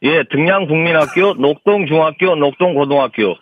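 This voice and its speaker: A man's voice: fairly high pitch, fairly quick, dry recording. A male caller on a radio phone-in, talking in a confident, polite and eager way. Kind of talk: phone-in chat. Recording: tinny phone line.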